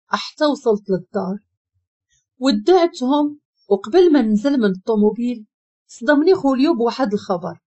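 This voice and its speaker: A woman's voice: on the high side, dark tone. A young woman with a Moroccan accent narrating her own story in the first person, with an emotional, dramatic reading.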